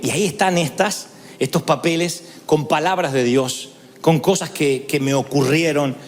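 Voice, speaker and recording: A man preaching a sermon, telling stories with quick asides and slow, emphatic phrases. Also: on the high side, steady tone, in a large hall, a little hiss or hum.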